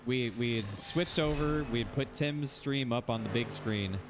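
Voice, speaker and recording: A man's voice: medium pitch, moderate pace, noisy background. A man streaming sim racing, ranting casually, rambling and repeating himself, swearing freely. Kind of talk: casual livestream rant.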